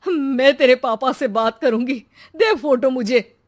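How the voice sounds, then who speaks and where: A woman's voice: high-pitched, measured pace. A woman voicing an anxious, easily alarmed mother in a cartoon. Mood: fretful. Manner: fretful, exclamatory.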